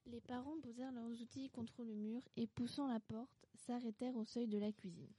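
A woman reads a story aloud at a careful, measured pace. Her voice sits a bit high and sounds soft and mellow. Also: fairly even intonation.

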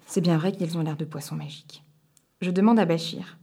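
A woman storyteller reading a children's tale aloud with lively expression. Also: fairly low pitch, a little fast, husky.

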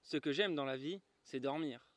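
A man voicing a tired, dutiful male lamplighter who speaks in a flat, resigned way. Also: fairly high pitch, moderate pace, dry recording, lightly acted. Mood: weary.

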